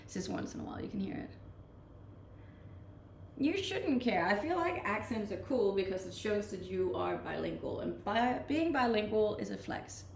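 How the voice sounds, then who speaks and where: A young Danish woman with a slight accent mixed from living abroad reads her viewers' comments on stream and chats casually, laid-back and often laughing. Her mid-range voice is animated, creaky and darkish, at a moderate pace. The recording has echo and faint ambient noise.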